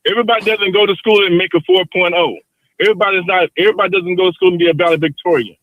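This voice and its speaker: A man's voice: high-pitched, fairly even intonation, rapid-fire, no room sound, phone-quality sound. A man in his fifties calling into a live show, arguing insistently and repeating the same points again and again. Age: 50s. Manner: insistent, repeats himself over and over. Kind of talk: heated call-in debate.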